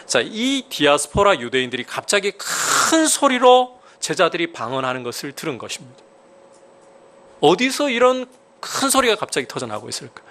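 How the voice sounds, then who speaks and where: A man preaching a sermon as a pastor, emphatic, with sudden rises in pitch and loudness and questions put to the congregation.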